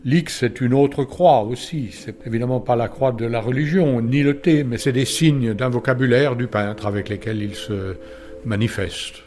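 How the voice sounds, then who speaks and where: A man with a medium-pitched voice comments on art without a script. He explains in a measured, considered way, setting out details in short phrases with pauses between them. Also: darkish tone.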